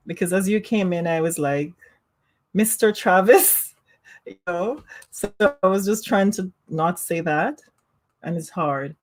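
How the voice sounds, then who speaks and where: A woman with a Jamaican accent chats easily with her livestream viewers and laughs often at herself. Her voice sits low, and she takes her time with every phrase. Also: darkish tone. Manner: giggly, laughs often, self-teasing. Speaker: livestream host. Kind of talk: casual livestream chat reading comments.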